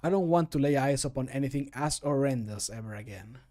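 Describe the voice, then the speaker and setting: A man's voice: mid-range voice, brisk, mellow, close to an everyday voice. Grim, disdainful fantasy adventurer, played by a man. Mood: revolted. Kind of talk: video game voice-line acting.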